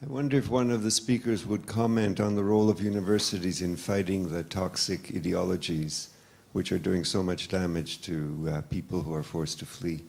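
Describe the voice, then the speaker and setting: Deep gravelly priest asking from the floor. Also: male voice, steady tone, normal speed, a little mellow. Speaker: priest in the audience, asking a question.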